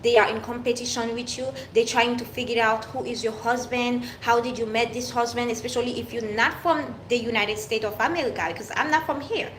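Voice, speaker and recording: A fairly high-voiced woman with a Haitian French accent talks straight to camera in a loose, unscripted monologue. She presses her points hard, repeating herself and restarting sentences. The room is echoey, and a faint hum of ambience sits under her voice. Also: fairly even intonation, a little fast, hardly any pauses, fairly bright tone. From Haiti, raised in France. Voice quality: emphatic, repetitive, with frequent restarts. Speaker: vlogger.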